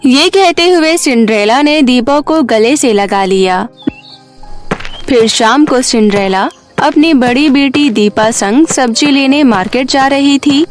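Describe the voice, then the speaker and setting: A woman narrates a children's story from a script. Her voice is quite high. Music plays underneath the narration. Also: unhurried.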